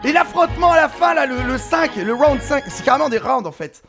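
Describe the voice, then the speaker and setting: A man giving excitable, exclamatory let's play commentary as a gaming YouTuber, often shouting with excitement. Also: very high voice, a little fast. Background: game music.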